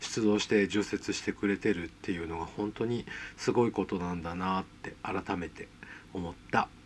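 Using fairly even intonation, a man with a very deep, low pitch speaks at a moderate pace. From Hiroshima, Japan. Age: 50s. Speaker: podcast host. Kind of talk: casual monologue.

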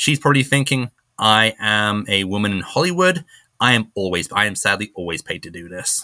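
A man with an English accent speaks at a fairly quick pace in a bright, sharp tone, his loudness swinging widely. The very clean recording is dry and close with no echo and a silent background. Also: fairly low pitch for a man, lively intonation. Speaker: podcast host. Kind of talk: casual chat.

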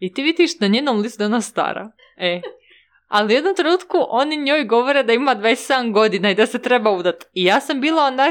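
Woman with a high pitch, lively intonation and fairly quick pace. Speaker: podcast co-host. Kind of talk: casual chat.

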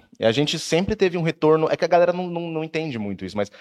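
The voice moves through very wide pitch swings. The sound is dry and close with no echo, over a quiet background. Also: man. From interior of São Paulo state, Brazil (Votuporanga). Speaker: actor and content creator. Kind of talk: casual interview chat. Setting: studio in an office.

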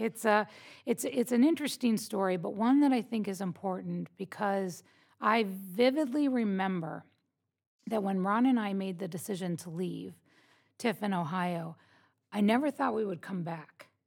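A woman with an American accent and a normal speaking voice, medium pitch, lively intonation and moderate pace, in a very clean recording with a silent background. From mixed: US and Saudi Arabia, boarding school in Europe. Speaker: university president. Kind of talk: interview.

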